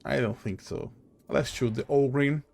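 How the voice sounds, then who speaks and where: Creaky-voiced man commentating on a game. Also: mid-range voice, fairly even intonation, normal speed, a little mellow. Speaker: gaming video host.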